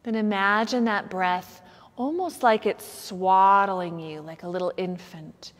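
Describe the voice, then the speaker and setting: Slow-paced woman guiding meditation in reverberant space. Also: mid-range voice. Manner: soothing, gentle, unhurried guiding with pauses. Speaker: yoga nidra teacher. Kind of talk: guided meditation instruction. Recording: long hall-like reverb.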